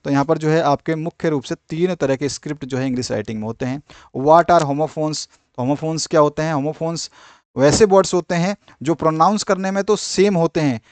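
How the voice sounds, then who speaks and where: Man teaching, slow English reading. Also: a little high, darkish tone, no room sound. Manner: explains in Hindi, slowly reading out English definitions; repeats filler phrases like "thik hai" and "jo hai". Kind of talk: exam-prep lesson.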